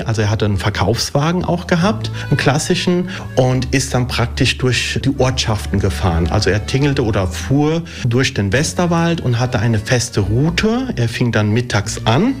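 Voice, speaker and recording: A man's voice: mid-range voice, expressive, moderate pace, few pauses, soft background music. A man in his forties, an ice cream maker, talking casually and chattily in an interview with many fillers and easy laughter. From Germany.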